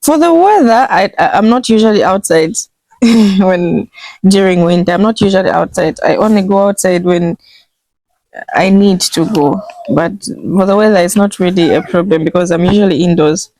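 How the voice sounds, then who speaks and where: A young woman from Zambia answering interview questions thoughtfully, pausing and laughing softly. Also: mid-range voice, dry recording, poor audio. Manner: slow and thoughtful, with pauses and soft laughs. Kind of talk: casual interview.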